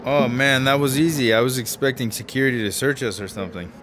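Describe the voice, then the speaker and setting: An actor playing a carelessly optimistic American slacker in a radio drama, talking casually and slangily in an American accent. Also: male voice, mid-range voice, quick pace, noisy background, lightly acted. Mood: breezy, reassuring.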